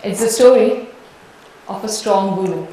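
A young woman from India performing a dramatic spoken-word monologue in measured, rhythmic phrases at a stand mic on a stage. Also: medium pitch, mellow. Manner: measured, rhythmic recitation with swelling lists. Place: large wooden-walled hall. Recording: roomy hall.

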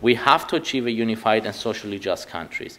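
A man in his thirties from Cyprus, a native Greek speaker with a Cypriot accent, delivering a prepared political speech at a commemoration event in an earnest, measured way that stresses key words. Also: on the low side, expressive, sharp tone. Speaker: party speaker.

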